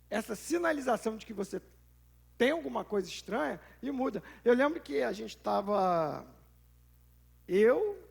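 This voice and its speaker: Brazilian male pastor, chatty sermon delivery, strongly gravelly fry throughout. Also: high-pitched. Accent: Brazilian Portuguese. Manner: conversational preaching, rhetorical questions, acts out little scenes.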